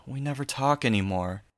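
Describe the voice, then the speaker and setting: A man's voice: medium pitch, natural voice. An actor playing a doting, fussy male telegram messenger who acts like a housewife in a radio comedy. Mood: wistful. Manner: solicitous, domestic. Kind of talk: comedic old-time radio acting.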